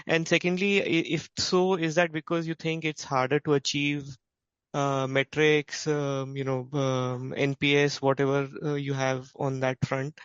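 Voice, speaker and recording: A man with an Indian accent asking questions as a financial analyst on an earnings call, in a halting, self-interrupting way. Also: fairly high pitch, little pitch movement, a bit bright, clean tone, no echo. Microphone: conference call line. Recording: dull, lo-fi conference call audio.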